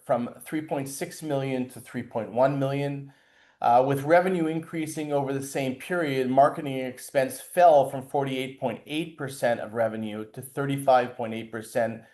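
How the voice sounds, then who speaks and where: A man speaking as a chief executive, giving a formal, scripted financial results presentation in a measured way, occasionally stumbling over words. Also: mid-range voice, a little mellow. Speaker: company chair and CEO presenting.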